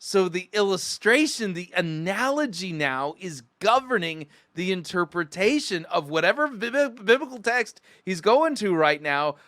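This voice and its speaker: A man's voice: high-pitched, big pitch swings, unhurried, few pauses, bright, forceful tone, dry recording. A middle-aged man giving mocking, sarcastic commentary as a critic, often acting out mock quotes. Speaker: host of a sermon critique show. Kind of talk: mocking commentary on played sermon clips.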